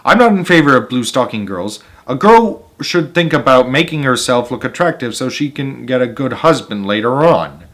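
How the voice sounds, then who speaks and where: A man's voice: medium pitch, animated, moderate pace, few pauses, fairly bright tone, lightly acted. A man voicing a vain, smug, middle-aged housewife in a storybook, snappish and scornful. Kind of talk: storybook read-aloud character voice.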